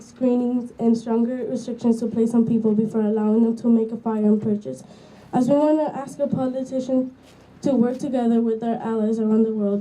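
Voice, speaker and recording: A woman's voice: on the high side, warm tone. A young woman student giving an earnest, read rally speech with small slips. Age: young adult. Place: outdoor school campus. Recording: distant mic, faint outdoor noise.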